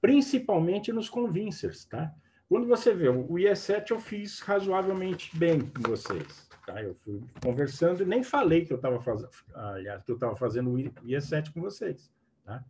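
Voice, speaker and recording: A man's voice: on the high side, sing-song, normal speed, dark tone, a little hiss or hum. A man, teaching hypnosis techniques to a group in an emphatic way and often checking in with his listeners. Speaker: hypnosis instructor.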